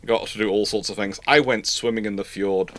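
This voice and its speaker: A man's voice: fairly low pitch, fairly even intonation, a little fast, a bit bright, slight background noise. A man hosting a casual live question-and-answer chat. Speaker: host.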